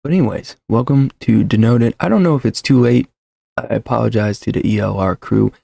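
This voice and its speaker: A man in his thirties hosts a casual livestream from home, rambling and putting himself down, full of fillers and restarts as he talks into a desk mic with a shock mount. His medium-pitched voice is fairly quick, creaky and mellow, on a dry recording.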